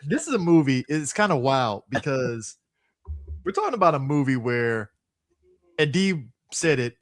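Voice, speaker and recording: A man co-hosting a podcast in relaxed, chatty casual conversation. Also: medium pitch, no echo, studio quality. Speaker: podcast co-host. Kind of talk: casual chat.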